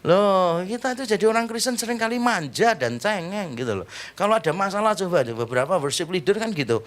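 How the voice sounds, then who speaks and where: Man, middle-aged pastor, lively joking sermon, fairly high voice. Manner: lively, joking, swings between loud exclaims and slow quiet emphasis.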